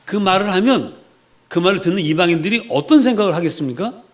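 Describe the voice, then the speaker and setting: A man's voice: high-pitched, expressive, fast. A man preaching a sermon in a conversational way, asking the congregation questions and acting out the voices of the people he quotes. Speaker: pastor.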